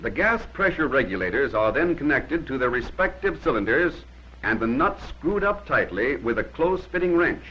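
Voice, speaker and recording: In the manner of a 1950s instructional film, a man gives short, plain-spoken instructions with firm emphasis, his husky voice swinging widely in pitch. He's very animated, speaks at normal speed, and sounds a bit bright. The low-quality recording comes from an old film soundtrack.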